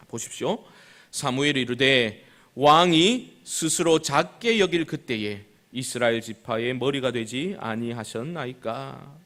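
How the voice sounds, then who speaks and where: Male pastor with a fairly high voice, preaching with dramatic loud-soft swings and slowed emphasis. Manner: dramatic delivery, swinging loud and soft, slowing on key words; acts out Bible quotes in changed voices. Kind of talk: Sunday sermon.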